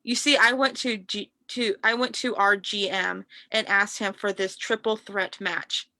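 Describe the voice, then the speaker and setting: Haughty, smug wrestler prince read by a woman, bright forceful voice, close dry sound, halting taunts. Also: mid-range voice, fairly even intonation, dry recording. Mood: scornful, boastful. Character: arrogant royal wrestler prince, smug and scornful. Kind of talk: staged reading of wrestling promos.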